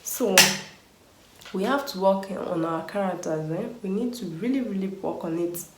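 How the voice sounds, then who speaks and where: A woman's voice: lowish voice, echoey room, poor audio. A Nigerian woman vlogger with a Nigerian accent, ranting in a scolding way and firing rhetorical questions at her viewers. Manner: exasperated scolding, rhetorical questions, lively pidgin phrases. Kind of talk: casual vlog rant.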